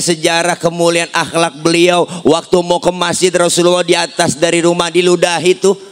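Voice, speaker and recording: A man's voice: sits high, clear, resonant tone. A man preaching a comic sermon to a crowd, joking and acting out voices as he tells stories. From Indonesia. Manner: joking, storytelling, acts out voices, sometimes chants. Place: outdoor religious gathering.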